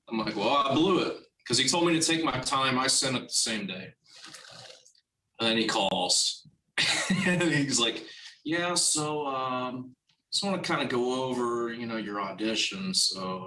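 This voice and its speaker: A man telling a long casual story about his drumming career in an interview, animated and acting out the dialogue he quotes. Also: medium pitch. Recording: roomy, distant from the mic, faint noise.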